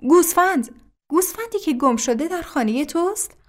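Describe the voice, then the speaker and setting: A woman reading a story voices an angry male villager who accuses people loudly. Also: very high-pitched, animated, pitched above the performer's own voice. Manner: loud and accusing.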